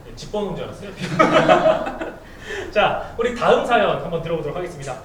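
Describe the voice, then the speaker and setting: A man hosts an upbeat panel talk and reads out listener questions. His voice sits high and swings widely. He is heard from a distance in an echoey hall. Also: sing-song, fairly quick, fairly bright tone. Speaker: host. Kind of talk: hosting a talk concert. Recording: echoey event hall, distant mic, noisy.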